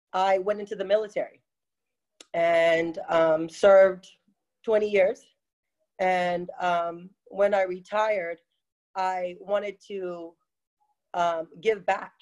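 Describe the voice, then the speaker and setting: A woman's voice: fairly low pitch, a little mellow. Ghana-born woman guest, dull lo-fi audio. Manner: rambling, with many ums and restarts. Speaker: guest, taco business owner. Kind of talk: telling her story in an interview.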